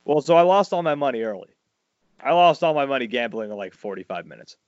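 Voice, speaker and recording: A man, hosting a casual podcast chat and telling stories loudly, his voice jumping up high when he gets worked up. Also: fast, dry recording. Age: 40s. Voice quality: loud voice. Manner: animated storytelling, swings high when excited. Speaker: podcast host. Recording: dull lo-fi dry sound.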